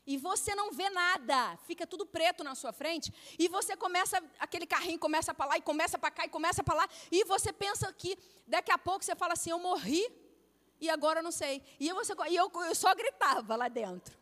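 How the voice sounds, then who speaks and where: A middle-aged Brazilian woman preaching a sermon, telling a family story with lively, acted-out quotes. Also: very high voice, fast talker. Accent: Brazilian Portuguese. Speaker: pastor's wife preaching. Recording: long hall reverb.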